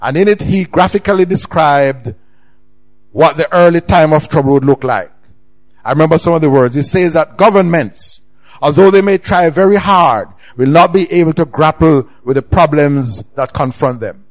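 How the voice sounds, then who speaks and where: A middle-aged man with a Jamaican accent, preaching a sermon with emphatic swings in pitch and loudness. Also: normal speed. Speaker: pastor.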